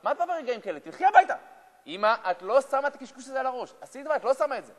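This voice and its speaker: A man doing indignant grown children shouting. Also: extremely high pitch, animated, voice pushed up. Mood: angry. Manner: loud, scolding, indignant. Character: angry grown children shooing a visitor out. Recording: long echo of a lecture hall.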